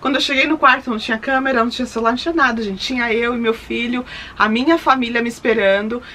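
A woman's voice: fairly high pitch, steady tone, fast talker, pushed and bright, slight background noise. A woman in her thirties telling a personal story to her viewers in a chatty, emotional way. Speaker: lifestyle vlogger.

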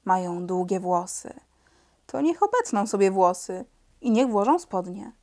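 Woman doing a bold young girl, indignant, lecturing, middle pitch, storybook voice. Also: big pitch swings, a little slow, a little mellow.

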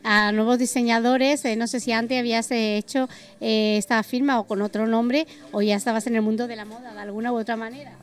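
A woman in her forties with a high, bright-pitched voice works as an interviewer at a restaurant event. She chats and keeps prompting with follow-up questions. She speaks into a handheld mic inside a busy restaurant. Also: fairly even intonation, a little fast.

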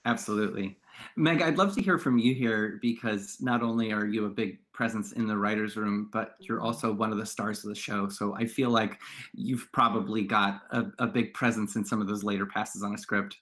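A man's voice: on the low side, fairly even intonation, normal speed, fairly bright tone. A man moderating a panel conversation on a video call in an affirming, enthusiastic manner. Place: indoor room on a video call.

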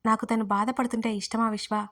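A woman's voice: a little high, flat delivery, fairly quick, a bit bright. A woman voicing a protective middle-aged mother who refuses firmly and worries in an audio story. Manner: firm, worried.

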